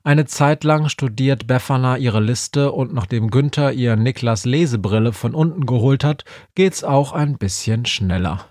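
A man narrating an audiobook in a calm, measured way, recorded on a close studio mic. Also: medium pitch, dry recording. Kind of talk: scripted narration.

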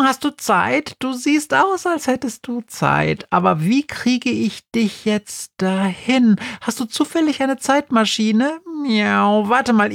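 A woman's voice: on the high side, gravelly, dry recording, clean studio sound, full character voice. A woman voicing a hyper, chattering male cat who keeps meowing between sentences in an audiobook story. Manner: chirpy, meows between sentences. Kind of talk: audiobook character voice.

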